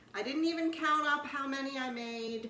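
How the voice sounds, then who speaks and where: Noticeable background noise and audible room echo surround a woman speaking fairly slowly. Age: 60s. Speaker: sewing vlogger. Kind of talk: casual chat.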